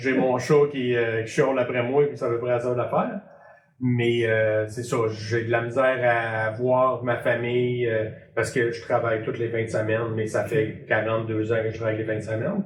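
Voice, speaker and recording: Somewhat breathy and in a Quebec accent, the speaker talks at a moderate pace with monotone, flat intonation and audible room echo. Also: man, medium pitch for a man. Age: 50s. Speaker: chef. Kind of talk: interview. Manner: hesitant with fillers.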